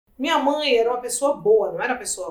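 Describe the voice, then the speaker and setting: A woman speaks over noticeable background noise. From Ceará backcountry, Brazil. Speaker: podcast host's mother, storyteller. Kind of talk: personal life story interview.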